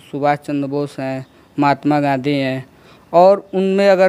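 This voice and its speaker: A man with a fairly high pitch and an ordinary speaking voice talks at a moderate pace with fairly even intonation. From Uttar Pradesh, India. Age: 20s. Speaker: teacher running a free school. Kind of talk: interview; interview answer. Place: home room. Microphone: handheld.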